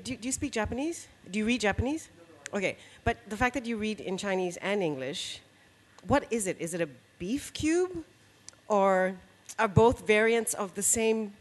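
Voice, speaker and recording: A woman's voice: mid-range voice, in a large hall. A woman in the audience playfully asking a question in a casual discussion.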